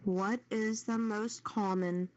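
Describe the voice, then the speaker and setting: A woman's voice: mid-range voice, steady tone, slow pace. A woman hosting a live quiz, reading out trivia questions and confirming the answers for participants. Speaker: quiz host. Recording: dull, noisy lo-fi voice-chat audio.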